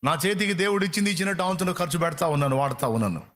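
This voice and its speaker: A man's voice: high-pitched, expressive, rapid-fire, fairly bright tone. A man preaching a sermon with fervor, repeating phrases for emphasis. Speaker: pastor.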